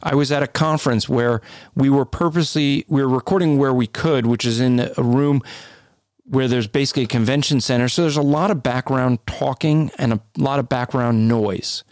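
A man with a deep, booming voice co-hosting a podcast, explaining things in a casual, conversational way. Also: steady tone, moderate pace, a little mellow, no room sound, studio quality. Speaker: podcast co-host.

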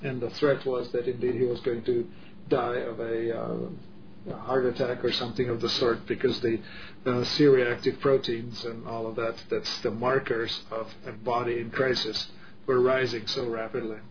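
A man's voice: medium pitch, flat delivery, moderate pace. A middle-aged man from the Czech Republic, talking in an earnest, emphatic way with many restarts in a casual discussion. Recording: dull lo-fi audio with faint noise.

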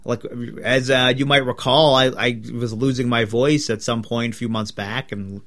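A man's voice: medium pitch, fairly even intonation, normal speed, fairly bright tone. Blunt, crude-talking young man. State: sick. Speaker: podcast co-host. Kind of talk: casual chat.

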